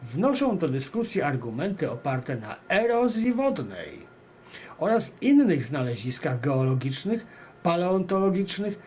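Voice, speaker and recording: A man's voice: on the high side, darkish tone, slight background noise. A man hosting, reading an article aloud and adding emphatic, rhetorical comments addressed straight to viewers. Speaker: video host and narrator.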